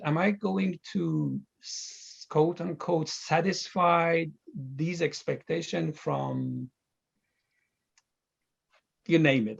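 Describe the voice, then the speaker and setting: Iranian guy being interviewed, gravelly kinda raspy voice, halting and thoughtful, muffled lofi audio. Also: a little high. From Iran. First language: Farsi. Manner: halting, thoughtful, searching for words. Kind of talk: reflective conversational answers.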